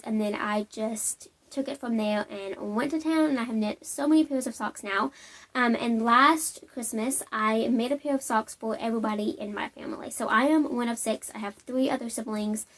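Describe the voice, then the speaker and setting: A woman's voice: fairly high pitch, normal speed. A young woman hosting a knitting podcast, chatting casually and bubbly to camera from home, with lots of "um"s and tangents.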